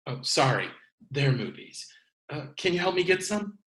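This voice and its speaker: A man as a bright, animated, bossy store clerk. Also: on the high side, normal speed, echoey room, low-quality recording. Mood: awkwardly polite. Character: brisk, scheming video store clerk with military talk. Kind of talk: table read of a comedy script.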